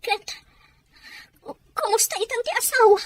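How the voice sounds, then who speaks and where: A woman playing an anguished, sharp-tongued young wife in a radio drama, with a Filipino accent. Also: extremely high pitch, moderate pace. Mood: anxious.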